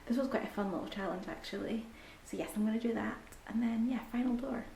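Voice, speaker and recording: A woman's voice: on the high side, steady tone, quick pace, creaky. Chatty Scottish woman in an echoey room. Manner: chatty, frequent ums, drops to near-whispers at times. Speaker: book vlogger. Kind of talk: casual reading vlog. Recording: echoey room with faint background hiss.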